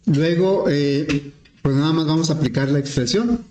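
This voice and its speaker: A male teacher explaining an algorithm step by step in a relaxed lesson, with frequent fillers. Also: a little high, moderate pace. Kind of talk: programming lesson. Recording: echoey classroom with faint noise.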